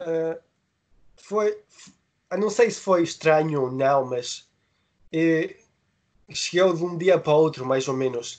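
Very slow and full of long, frequent pauses, a man speaks at a fairly high pitch with ordinary pitch variation and big swings in loudness. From Portugal, Trás-os-Montes (Bragança), raised in Spain and France from age 6-7. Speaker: professional wrestler. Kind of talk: interview. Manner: halting.

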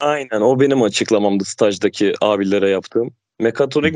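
A man speaks at a fairly quick pace in an unremarkable speaking voice. His pitch variation is ordinary, with a dry, close sound with no echo. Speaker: engineering student, listener guest. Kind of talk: casual chat.

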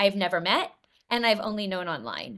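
A woman with a Californian accent at a fairly quick pace. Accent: General American, California. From US West Coast, Los Angeles. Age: 40s. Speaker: tech startup co-founder. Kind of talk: casual interview. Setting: video call.

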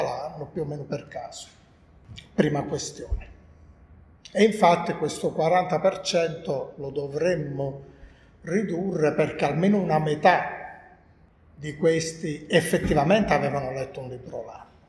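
In a room with audible echo, a man speaks at a high pitch and moderate pace, with ordinary pitch variation, big swings in loudness and long, frequent pauses. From Naples, Italy. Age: old. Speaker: lecturer on reading promotion. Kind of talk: lecture. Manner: hesitant, with filler words.

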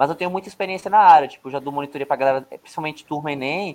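A man speaks at a very fast pace in a fairly high voice. His pitch variation is ordinary. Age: 20s. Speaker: medical student and physics tutor. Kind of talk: casual chat.

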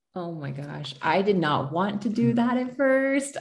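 There is noticeable background noise and audible room echo. Through it, a woman speaks. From Chattanooga, Tennessee, US South. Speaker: YouTube travel creator. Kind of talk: casual interview chat.

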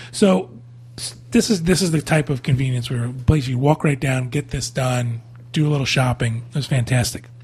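A man at medium pitch and moderate pace, ordinary pitch variation, a normal speaking voice. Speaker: traveler sharing trip stories. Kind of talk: casual chat.

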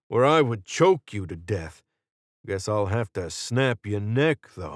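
A man puts on a character voice, strained and fairly low in pitch, with lively intonation. He goes at a fairly slow pace in a very clean recording with a silent background. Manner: strained, menacing.

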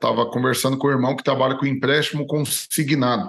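This man's voice sits at a medium pitch and carries vocal fry. His intonation stays fairly even. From São Paulo, Brazil. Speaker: pastor and podcast host. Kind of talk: interview.

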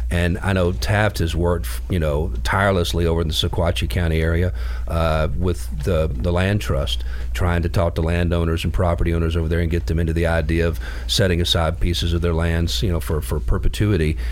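With very even loudness and ordinary pitch variation, the voice moves at a fairly quick pace over noticeable background noise. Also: man, very deep, low pitch for a man. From Tennessee, Chattanooga. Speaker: radio host. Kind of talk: casual chat.

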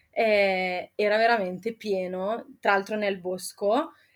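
Speaking at a very slow pace, a woman keeps a fairly even intonation at a medium pitch, on a very clean recording with a silent background. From northern Italy, province of Bergamo. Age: 20s. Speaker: wood pyrography artisan. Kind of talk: interview conversation. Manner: hesitant, with fillers and repetitions.

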